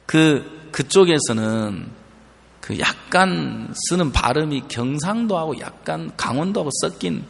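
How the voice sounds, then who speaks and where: A man preaching a sermon, telling a story and acting out the people in it in lively voices. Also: fairly high pitch, unhurried, gravelly. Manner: animated storytelling, acting out an elderly mother's stubborn replies. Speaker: pastor. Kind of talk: sermon with acted-out anecdotes. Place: church sanctuary. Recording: long reverb of a church hall.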